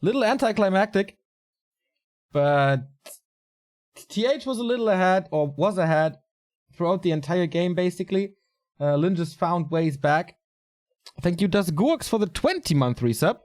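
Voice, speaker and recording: A man commentating a strategy game alone, casual and chatty, his voice a little raspy and tired. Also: high voice, lively intonation, moderate pace, pauses often, a little mellow. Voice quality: casual, chatty delivery with fillers. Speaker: esports caster.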